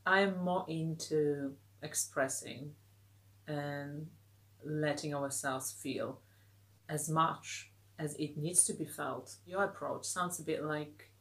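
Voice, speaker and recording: A woman interviewing a guest in a casual conversation, questioning and gently challenging. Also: low-pitched, slow.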